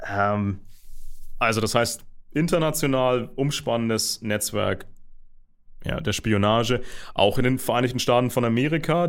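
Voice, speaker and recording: Male speaker, low voice, loose rambling monologue with frequent "ähm" restarts. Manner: rambling, many fillers and restarts. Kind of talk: casual monologue.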